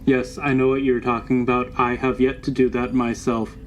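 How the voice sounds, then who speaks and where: A man voicing a polite, literal-minded android bodyguard in a tabletop game, speaking in stiff, formal, deadpan phrases. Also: medium pitch, normal speed, slight background noise, lightly acted. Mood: calm, literal. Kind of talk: tabletop roleplay, in character.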